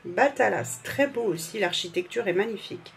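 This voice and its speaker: A woman's voice: medium pitch, animated, brisk, creaky, slightly rough, faint music behind. A woman vlogger in casual, gushing chat, fumbling and apologizing as she reads out names. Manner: fumbles and restarts while reading labels.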